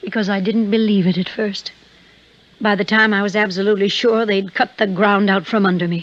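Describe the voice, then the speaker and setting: Speech comes at a fairly quick pace in a monotone, flat intonation. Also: woman, medium pitch for a woman. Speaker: radio drama actor playing a ranch-owning widow. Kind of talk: old-time radio drama.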